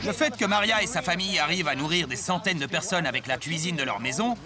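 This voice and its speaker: Male team member in a makeover dub, high voice, enthusiastic, music behind. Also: expressive, fast. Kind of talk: dubbed reality-show interview. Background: background music.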